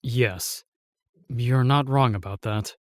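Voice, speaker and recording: A man playing a solemn, remorseful knight in a fantasy audio drama, telling things in a halting, weighty way. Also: medium pitch, a little mellow, no room sound, clean studio sound, close to an everyday voice. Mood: firm, calming. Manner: halting, weighty storytelling with sighs and pauses. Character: solemn, remorseful knight, sworn protector of the realm.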